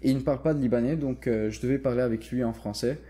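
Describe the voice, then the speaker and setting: A man's voice: mid-range voice, racing, mellow. A young man from Lebanon speaking French with a light Lebanese accent, chatting thoughtfully with many small restarts. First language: Lebanese Arabic. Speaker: guest. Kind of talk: casual chat.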